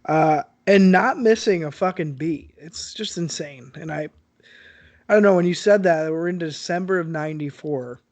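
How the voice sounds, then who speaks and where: A man's voice: fairly high pitch, normal speed, a little mellow, no echo. A man co-hosting a podcast, chatting casually and animatedly while congested with a sore throat, on his own microphone over an internet call. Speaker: podcast co-host. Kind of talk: casual chat.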